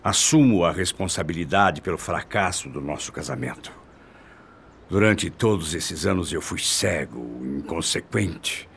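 An actor with a Brazilian accent playing an aging, repentant, newly pious husband in a radio soap opera, solemn and pleading. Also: male voice, low-pitched, lively intonation, a little slow, creaky, a bit bright, slight background noise, heavily acted.

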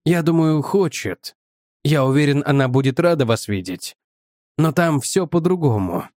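A man voicing a weary, calm old male professor in an audiobook, low and unhurried. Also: dry recording, studio quality, natural voice. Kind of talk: audiobook character voice.

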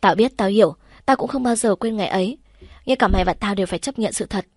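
A blunt, caring young woman in a spoken novel, frank and protective toward her best friend, as the woman narrating reads her lines. The voice is a middle-pitched everyday one, recorded close and dry. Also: fast, darkish tone, breathy edge, dry recording, lightly acted. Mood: earnest.

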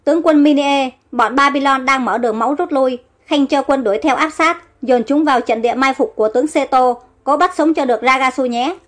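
A commanding young warrior pharaoh, as a woman narrator reads him, giving firm orders in an audio storybook. The voice sits high and stays close to the narrator's own. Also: a little fast, few pauses, close to an everyday voice.

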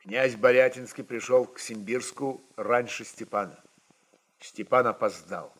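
A man reading historical fiction as a dramatic narrator, measured, expressive and emphatic. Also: medium pitch, husky, poor audio.

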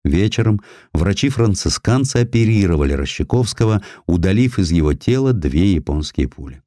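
A man with a low, dark-toned voice reads historical prose in a dramatic storytelling style. His delivery is measured and expressive. The sound is close and very dry, as from a studio microphone. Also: dry recording. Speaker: audiobook narrator.

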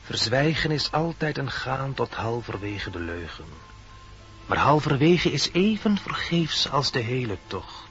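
With music in the background, a man performs a radio play role as a solemn, wise stag and oracle of old dreams, uttering cryptic, poetic incantations. His medium-pitched delivery is sing-song and a little slow, carrying a foreboding, solemn mood through a dull vintage radio recording.

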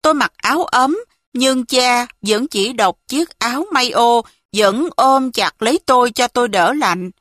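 A woman narrating a first-person story in a slow, emotional storytelling manner. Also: a little high, fairly bright tone, no echo, studio quality.

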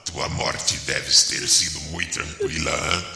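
A man's voice: very deep voice, little pitch movement, slow, gravelly, sharp tone, voice pushed down, full character voice. A man playing a grim, sardonic old ghost who guides through a cemetery in solemn, archaic phrasing, in a horror audio drama. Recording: echoey hall reverb, music behind.

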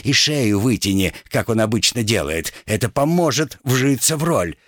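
A man's voice: mid-range voice, expressive, moderate pace, no echo, clean studio sound, voice pushed up, close to an everyday voice. A man voicing a scheming, talkative male ship rat who hisses and bosses others about. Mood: bossy. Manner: hissing, theatrical, bossy.

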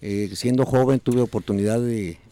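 A man's voice: mid-range voice, moderate pace, mellow, slight background noise. A Mexican man hosting a casual talk show, rambling with many fillers and restarts. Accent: Mexican Spanish. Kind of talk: casual radio chat.

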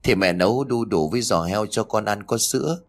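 A man voicing a gentle, patient old grandmother who speaks softly and humbly. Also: lowish voice, animated, fairly quick. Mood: pleading. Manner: soft, pleading, humble.

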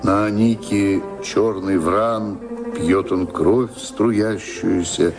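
A man's voice: fairly low pitch, fairly even intonation, drawn-out words, over music. A man narrating a folk tale in rhythmic, theatrical verse as a radio-play storyteller.

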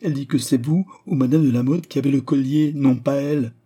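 A man's voice: mid-range voice, steady tone, a little fast, warm tone, breathy edge, voice pushed up, natural voice. A man voicing an anxious, pleading male court jeweler with an insistent manner. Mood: desperate.

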